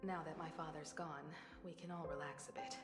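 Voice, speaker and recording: An actress playing a composed, responsible woman leading a starship crew in a video game, speaking in a measured, polite way. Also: sits low, steady tone, over loud music, lightly acted. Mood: apologetic, composed. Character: composed, responsible adult woman crew leader on space train.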